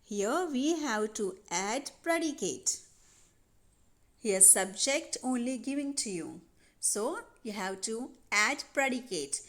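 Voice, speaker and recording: A woman voices over a handwritten worksheet video, teaching a grammar lesson and patiently repeating instructions for students. Her voice is a little high, animated, and fairly bright, delivered at a slow pace.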